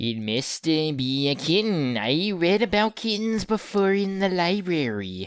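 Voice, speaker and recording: A squeaky, put-on character voice at a middle pitch moves at a fairly slow pace with hardly any pauses, on a very clean recording with a silent background. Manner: naive, innocent.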